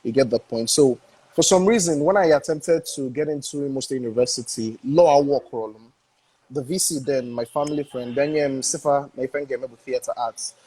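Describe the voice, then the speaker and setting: A young Nigerian man talks in a casual interview, with a husky, grainy edge to his voice. He speaks with eager energy, repeats phrases, and laughs between thoughts. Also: mid-range voice, a little fast, warm tone, rough recording. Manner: enthusiastic, repeats himself, laughs often. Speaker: guest film director. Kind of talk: casual interview chat mixing English and Igbo.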